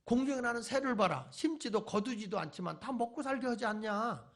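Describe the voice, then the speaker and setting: A man's voice: extremely high pitch, lively intonation, brisk, fairly bright tone. A male pastor preaching at a church revival meeting, firing rhetorical questions at the congregation and mixing in folksy humor. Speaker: pastor, guest revival speaker. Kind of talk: sermon.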